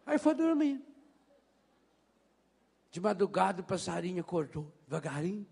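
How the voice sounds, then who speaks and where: Priest preaching, high lively voice, long echoey hall. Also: male voice, moderate pace, vocal fry, husky. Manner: animated storytelling, mimics voices. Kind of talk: sermon.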